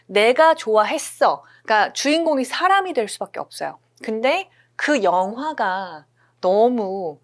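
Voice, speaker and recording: A woman teaching an English grammar lesson, explaining step by step, often checking in with listeners and repeating example sentences slowly. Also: fairly high pitch.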